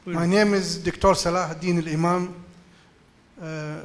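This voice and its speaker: A man asking a conference question from the audience in halting, English. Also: high-pitched, steady tone. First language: Arabic. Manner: halting non-native English.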